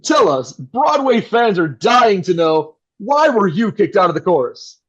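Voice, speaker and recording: An actor playing a polished, wry and nervous live radio host in an audio play, with a theatrical announcer delivery. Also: male voice, high-pitched, sing-song, unhurried, fairly bright tone, highs cut off, exaggerated voice. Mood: wry, showy. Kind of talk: old-time radio play acting.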